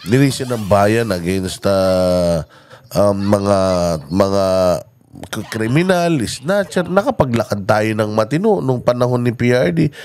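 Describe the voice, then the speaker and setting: A man's voice: on the low side, expressive, measured pace, a little mellow, slight background noise. Impassioned male political commentator. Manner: hesitant, many fillers, switches into English, angry swearing.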